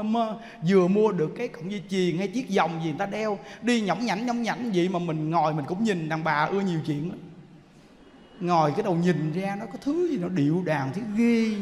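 A man with a Southern Vietnamese accent preaching a Buddhist sermon in a lively way, often asking the audience questions. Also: high-pitched. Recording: long hall reverb.

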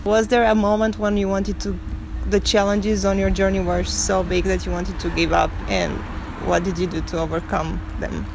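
A woman's voice: mid-range voice, level tone, normal speed, gravelly, noisy background. A woman interviewer asking questions in a conversational interview.

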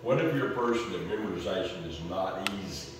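A man's voice: sits low, animated, fast talker, background noise. An older man sharing earnest advice with a church group, often restarting his sentences. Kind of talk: group discussion. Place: church fellowship hall. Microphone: far camera. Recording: echoey hall from far off.

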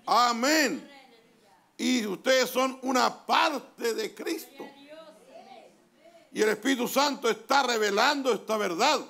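A man with a Chilean accent, a pastor preaching a sermon in a church hall, pausing often and calling for amens. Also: extremely high pitch, gravelly, sharp tone. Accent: Chilean Spanish. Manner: deliberate preaching with pauses, calls of amen. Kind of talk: sermon reading from a translated message.

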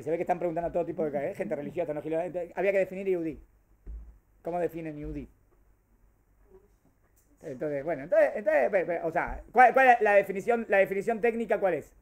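Man, high voice; teacher quizzing his students, lively and rhetorical. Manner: questioning and animated, answers his own questions. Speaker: rabbi teaching a class. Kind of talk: Torah class to a group.

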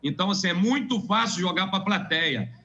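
A man's voice: high-pitched, lively intonation, a little fast, pushed and bright, dull audio. A man giving an emphatic, formal parliamentary speech as a state legislator in a legislative chamber, repeating points for weight.

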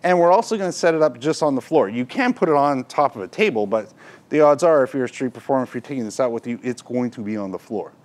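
A man's voice: mid-range voice, expressive, fast talker, darkish tone. Middle-aged male shop presenter, conversational and explanatory, for a casual product review. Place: indoor electronics shop.

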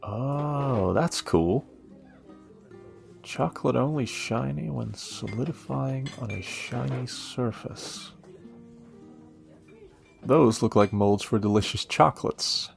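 An earnest young guy , played by a man in a romantic audio drama. He talks slowly and casually with some gravelly fry, hesitant and protective, as if thinking aloud. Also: mid-range voice. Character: earnest, protective young male café trainee, eager to learn. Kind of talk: intimate first-person audio roleplay.

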